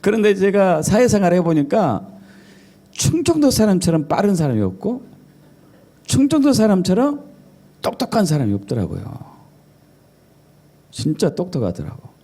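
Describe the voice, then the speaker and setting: A male pastor delivers a Sunday sermon with a lively, swooping delivery. His voice is fairly high yet mellow and warm, and he tells jokey stories, slipping into playful imitations of regional dialects. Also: moderate pace, pauses often. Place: church service.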